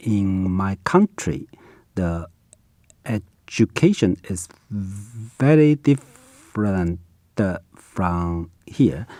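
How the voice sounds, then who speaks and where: A man with a Vietnamese accent speaks at a very slow pace, with long, frequent pauses and lively intonation. His pitch is very deep and low, his tone dark and mellow, and the sound is dry and close with no echo. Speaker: test-taker giving sample response. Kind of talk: spoken exam answer. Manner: halting, with fillers.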